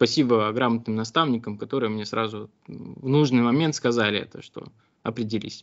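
Here is a man with an ordinary speaking voice, medium in pitch and fairly even in intonation. He goes at a fairly quick pace against a quiet background. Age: 30s. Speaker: hypnotherapist; interviewee. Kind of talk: interview. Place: home room. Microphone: video call.

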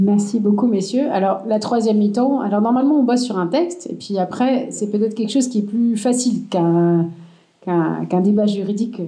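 A woman with a fairly high pitch and a dark, mellow, somewhat breathy tone speaks at a moderate pace with ordinary pitch variation over a quiet background. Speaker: event moderator. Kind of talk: event hosting. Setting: stage with audience. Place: cafe. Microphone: handheld.

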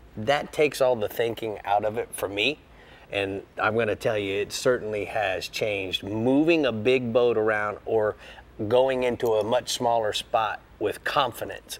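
The speaker is a man with fairly even intonation. His pace is moderate. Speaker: fishing show host. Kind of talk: casual on-air chat. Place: studio. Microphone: lapel.

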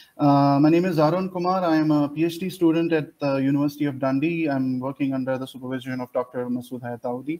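A man talks at a very fast pace in a dark, mellow tone with fairly even intonation. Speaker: presenter. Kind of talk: conference presentation. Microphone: webcam.

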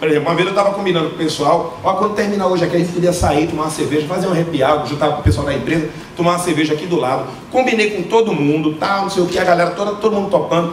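A man with a northeastern Brazilian accent, very fast pace, high pitch, ordinary pitch variation, audible room echo and light background noise. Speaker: stand-up comedian. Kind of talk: stand-up comedy. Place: stage.

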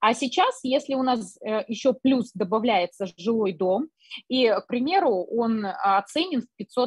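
A woman with a fairly high pitch speaks at a fairly slow pace with lively intonation. The sound is dry with no echo, and the background is quiet. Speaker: bank mortgage department head. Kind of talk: professional masterclass presentation. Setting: online live stream. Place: office. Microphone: webcam.

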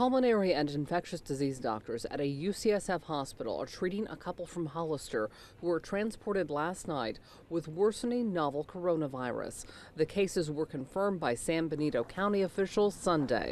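Using a normal speaking voice, a woman with a fairly low pitch talks at a moderate pace with lively intonation. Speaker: news reporter. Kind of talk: news report narration.

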